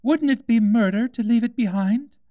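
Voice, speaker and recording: A man's voice: very high voice, moderate pace, warm tone, dry recording, voice pushed up. A man voicing a polite, curious young girl who speaks timidly and anxiously, in a storybook reading.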